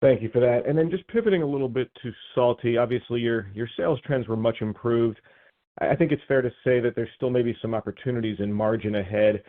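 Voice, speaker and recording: A male analyst of average pitch feels his way through business questions in a conversational style. The line sounds like a telephone. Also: quick pace. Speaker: financial analyst asking questions. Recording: phone-like conference call line.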